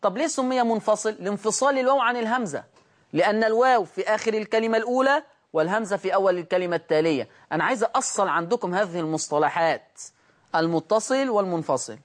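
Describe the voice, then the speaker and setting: A man teaching Quran recitation rules on a TV program. He asks rhetorical questions, answers them, and chants the example words slowly. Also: high-pitched, animated. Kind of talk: televised recitation lesson.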